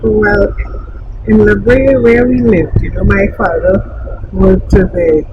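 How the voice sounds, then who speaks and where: A Trinidadian woman of about eighty, talking about her birth and family in a plain, measured way. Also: medium pitch, steady tone, dull audio, noisy background. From south Trinidad. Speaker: interviewee. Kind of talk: recorded interview.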